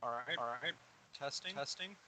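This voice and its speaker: A man's voice: medium pitch, normal speed, pushed and bright, slight background noise. A man in an online class, heard over a video call with an echo just after each phrase, saying short test phrases twice. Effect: echoing call audio, a repeat just after each phrase.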